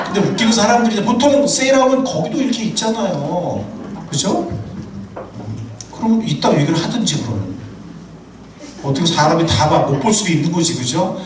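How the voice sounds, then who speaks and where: Pastor guy preaching, lively ups and downs, kinda high voice, echoey church from far away. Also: moderate pace, noisy background. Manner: animated and humorous, tells personal anecdotes. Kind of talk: sermon. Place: church sanctuary.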